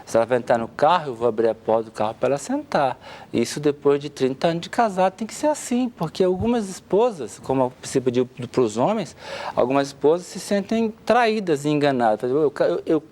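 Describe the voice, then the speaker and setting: Brief: Brazilian man, 50s, family counselor on a studio talk show; animated, plays out little scenes in different voices. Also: on the high side, fairly quick. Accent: Brazilian Portuguese. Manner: lively, acts out spouses' quotes.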